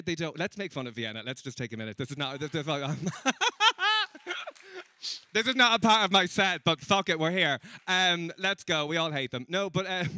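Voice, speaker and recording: A man's voice: fairly high pitch, sharp tone, no echo. A young man doing a stand-up comedy set, chatty and teasing with the crowd and laughing at his own jokes. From Ireland. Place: comedy stage in a room with an audience.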